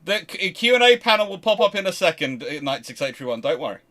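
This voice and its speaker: A man's voice: high-pitched, sing-song, quick pace, bright, forceful tone. A man hosting a casual history livestream, talking in an effusive, rambling way. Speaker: host of a naval history livestream.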